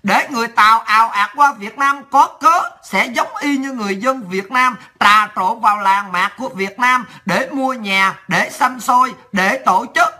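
A woman's voice: on the high side, normal speed, few pauses, sharp tone. A woman with a Southern Vietnamese accent delivering a heated, sarcastic, coarse political rant as a commentator.

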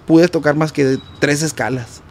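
Man, Mexican accent, slightly raised pitch, lively storyteller, repeats himself, hums out notes. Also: a little slow. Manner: animated, repeats words, mimics notes with "ta ta". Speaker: guest musician. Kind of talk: casual interview storytelling.

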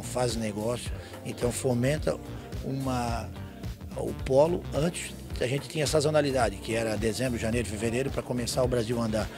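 Brief: man, 50s, earnest business interview, clear music bed. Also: mid-range voice. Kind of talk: casual interview. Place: trade show stand. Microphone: handheld mic. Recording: clear music under speech.

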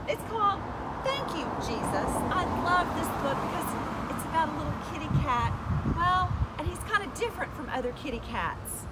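An older woman with a high, very animated voice chats casually as a story time host. She is outdoors, with loud street noise around her. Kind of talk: casual introduction to children. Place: outdoors on steps by a building entrance.

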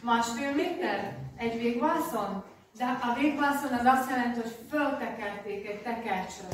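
A middle-aged woman hosting a children's folk-tale contest, asking encouraging questions like a teacher. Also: a little high. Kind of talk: quizzing children before their turn. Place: restaurant hall. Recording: very echoey hall, distant mic, background noise.

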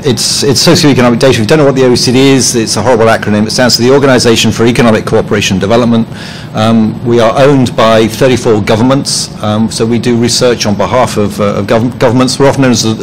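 A man giving a conference presentation in a meeting room, his pitch sitting in an ordinary middle range. He talks haltingly, full of ums and false starts, and lightens it with dry, self-mocking asides. A faint hiss runs under his voice. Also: low-quality recording. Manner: hesitant, with many ums and restarts; dry, self-deprecating humor. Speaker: conference presenter, head of publishing.

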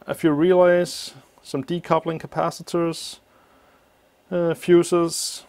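A man explaining a teardown of an old appliance at a workshop bench, thinking aloud with many pauses, his voice slightly muffled by a mask. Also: medium pitch, vocal fry, darkish tone. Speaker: electronics teardown host. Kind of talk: hands-on technical walkthrough.

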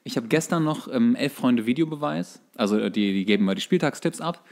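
A young man with plenty of fry in his voice chats as a podcast co-host. His pitch sits in an ordinary male range. He talks loosely, stopping and restarting to fix his own words. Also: lively intonation, brisk, a little mellow. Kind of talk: casual banter between friends.

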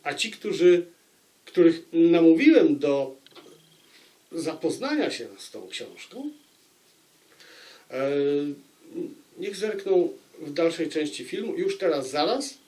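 A man giving an informal spoken book review to viewers, deliberate, with dramatic pauses and repeated phrases for emphasis. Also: a little high, very animated, a little mellow. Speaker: book review channel host.

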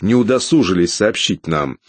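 A man reading an audiobook, voicing a smug, petty male welfare official who questions coldly and turns shrill when scared. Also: normal speed, slightly rough, no echo. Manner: smug and coldly calm, turning hysterical.

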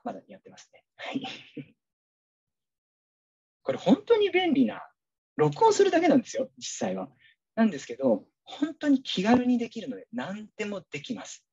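A man's voice: high-pitched, wildly swooping pitch, moderate pace, vocal fry, long pauses, dark tone, slightly rough, dull audio. A man teacher giving a casual, chatty online workshop, walking the audience through a demo with many fillers.

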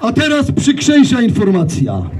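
A man with a Polish accent giving a fiery, slow, emphatic speech to an outdoor gathering, shouting much of it. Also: very high voice, wildly swooping pitch, rough recording. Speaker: rally speaker.

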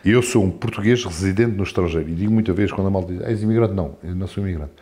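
A man in his forties, a guest in a casual interview, talking in a rambling, animated way with many restarts. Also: low-pitched, racing. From France. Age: 40s.

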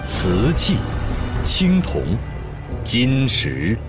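A man's voice: medium pitch, wildly swooping pitch, drawn-out words. A man reading a dramatic, scripted audiobook introduction. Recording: music under the voice.

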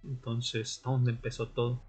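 A man's voice: medium pitch, completely flat delivery, a little slow, darkish tone, breathy edge, faint music behind. A man playing a weary but insistent fledgling vampire in a radio drama, dramatic and searching in his delivery. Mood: questioning. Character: young male vampire seeker, weary and insistent. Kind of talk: radio drama acting with narration.

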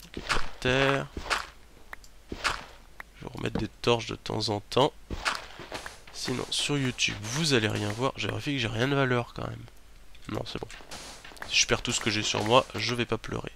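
A man giving chatty gameplay commentary as a let's play host, talking to himself and bursting into startled shouts and curses. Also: medium pitch, fairly even intonation, unhurried, creaky, long pauses, background noise.

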